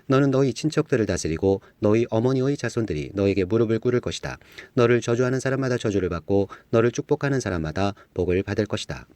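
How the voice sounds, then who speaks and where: A man reading the lines of an aged, solemn father in a lowered, quieter voice. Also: no echo, natural voice. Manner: solemn, measured blessing speech.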